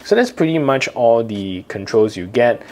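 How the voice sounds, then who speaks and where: A man's voice: medium pitch, animated, normal speed, darkish tone, a little hiss or hum. A man with a Singaporean accent and Singlish manner of speech, giving a casual tech product review.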